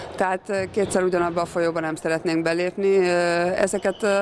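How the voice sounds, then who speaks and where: A woman speaks at a moderate pace. The sound is dry with no echo, with light background noise. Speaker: handball coach. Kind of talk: interview. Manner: halting. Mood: calm, thoughtful. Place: hall. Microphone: handheld.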